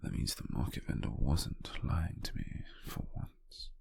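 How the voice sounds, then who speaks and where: A British man playing a gentle, doting, teasing lover in an intimate, breathy, half-whispered ASMR roleplay, close to the microphone. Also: no room sound, natural voice. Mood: relaxed, warm. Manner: slow, tender, softly teasing.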